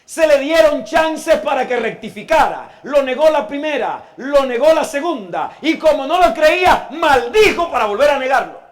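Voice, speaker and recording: A pastor preaching a sermon in a church, swinging from loud emphatic lines to hushed low ones and asking the congregation rhetorical questions. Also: male voice, expressive, normal speed, few pauses.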